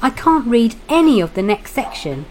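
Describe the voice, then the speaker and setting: A woman's voice: fairly high pitch, big pitch swings, normal speed, noisy background. A woman playing an exasperated pantomime narrator, mixing storytelling with comic, improvised asides. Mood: improvising.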